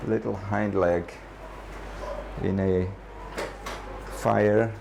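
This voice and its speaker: Here a man with a fairly low pitch and vocal fry gives a walking tour of an animal rescue center. He explains things haltingly, leaning on lots of fillers. The outdoor audio is noisy, with dogs barking.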